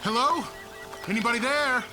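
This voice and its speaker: An actor playing an excitable, homesick man returning to his home planet in an audio drama, exuberant and irreverent. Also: extremely high pitch, moderate pace, soft background music, heavily acted, poor audio. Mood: excited.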